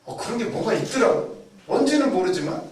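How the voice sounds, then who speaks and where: A man's voice: high-pitched, brisk. A man preaching a sermon, telling stories vividly, repeating key words for emphasis and acting out the voices he quotes. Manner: animated storytelling, acting out quoted voices and shouts. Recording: very echoey, mic far off.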